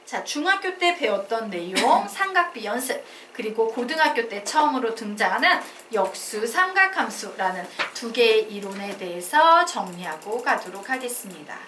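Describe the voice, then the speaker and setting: A woman's voice: fairly high pitch, very animated, normal speed, few pauses, bright, forceful tone, a little hiss or hum. A woman math teacher giving a classroom lecture, drilling students with call-and-response questions. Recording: echoey classroom, mic at a distance.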